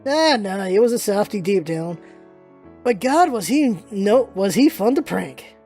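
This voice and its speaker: A woman's voice: mid-range voice, lively intonation, unhurried, darkish tone, faint music behind. A woman playing an easygoing, reluctant but kind soldier in a story reading, talking in casual, slightly hesitant slang. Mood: nostalgic.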